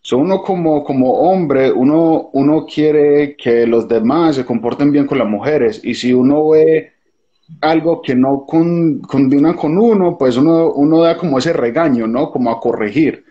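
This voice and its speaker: A man's voice: fairly high pitch, a little slow. A young man from Colombia with a Colombian accent, a guest talking earnestly and thoughtfully about his time on a TV show, dropping English fillers into his speech. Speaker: guest, former TV show contestant. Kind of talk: casual video call interview. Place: dim room indoors. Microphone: phone video call. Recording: lo-fi video call audio.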